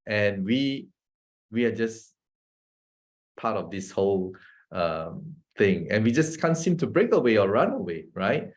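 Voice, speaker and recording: A man's voice: lowish voice, very animated, measured pace. A man from Malaysia with a Malaysian English accent, giving a casual talk to an audience, chatty, often asking "right?" and laughing between points. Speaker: presenter.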